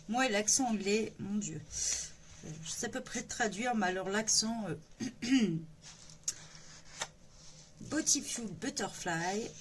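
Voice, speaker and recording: A woman's voice: mid-range voice, slight background noise. A woman hosting her own coloring channel, presenting a coloring book page by page in a casual, hesitant chat full of fillers. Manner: chatty, hesitant with many fillers. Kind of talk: casual book flip-through.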